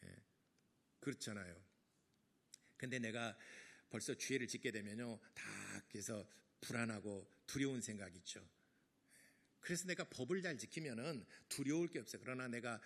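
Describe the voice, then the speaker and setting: A man's voice: medium pitch, husky. A middle-aged man preaching a sermon as pastor, talking casually to the congregation and acting out the people in his stories. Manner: conversational preaching with acted-out quotes.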